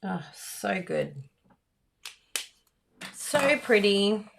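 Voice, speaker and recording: A woman with a croaky voice, hosting a live card-making class in a chatty, giggly, self-teasing way. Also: medium pitch, big pitch swings, very slow. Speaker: card-making instructor and livestream host. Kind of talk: live craft class chat.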